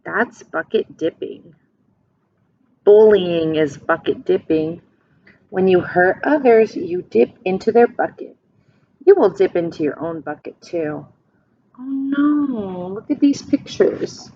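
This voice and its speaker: Slow, very expressive woman reading to children. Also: medium pitch, a little hiss or hum. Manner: expressive, simple teacherly phrasing with questions to listeners. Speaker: teacher reading a picture book aloud. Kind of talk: read-aloud for young children with asides. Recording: dull, lo-fi sound.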